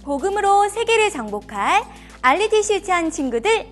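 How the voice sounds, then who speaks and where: A woman presenting a children's program as a kindergarten teacher, with a bright, sing-song, welcoming delivery aimed at small children. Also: extremely high pitch, sing-song, moderate pace, faint music behind.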